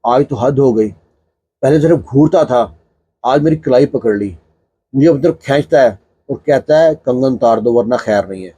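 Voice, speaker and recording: A man's voice: mid-range voice, warm tone, slightly rough, lightly acted. A man storyteller voicing a frightened young wife who pours out her complaint to her mother. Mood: distressed.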